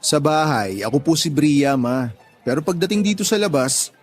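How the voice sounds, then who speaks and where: Radio drama gay son: Filipino, sassy, vain, fairly high pitch, light music behind. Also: male voice, expressive, moderate pace. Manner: campy, sassy, joking. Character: cheeky, vain gay adult son who jokes he's a young lady. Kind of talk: Tagalog radio drama acting.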